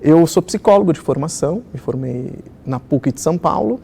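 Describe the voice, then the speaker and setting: This Israel-born children's writer, middle-aged, recounts his own experiences animatedly in interview form, using lots of fillers. He speaks at a moderate pace in a gravelly, fairly high voice, and there's a faint hiss or hum.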